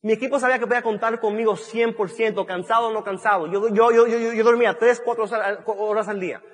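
A man delivers a forceful motivational talk at a business event, hammering on key phrases and restarting sentences partway through. His voice sits high with fairly even intonation and a quick pace, echoing with a large hall's long reverb.

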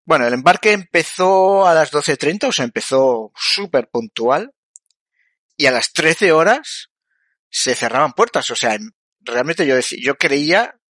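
A man's voice: fairly high pitch, lively intonation, a little slow, fairly bright tone, dry recording, clean studio sound. A man casually narrates a flight trip in a conversational, explanatory way, as a travel vlogger.

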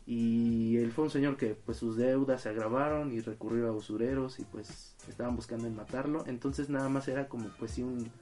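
A man's voice: medium pitch, steady tone, brisk, hardly any pauses, warm tone, faint music behind. A man, co-hosting a podcast and talking through a film in a thoughtful, analytical way. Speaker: podcast co-host. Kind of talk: casual film discussion.

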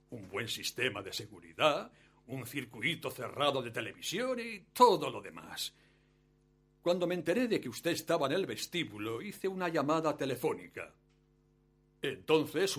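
A rich, betrayed husband in a radio drama. His voice is rather high and husky, with lively swings of pitch, and he speaks with polished courtesy that carries a smug, cruel threat. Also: exaggerated voice. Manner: suave, mock-courteous, deliberate hesitations. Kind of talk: Spanish-language radio play acting.

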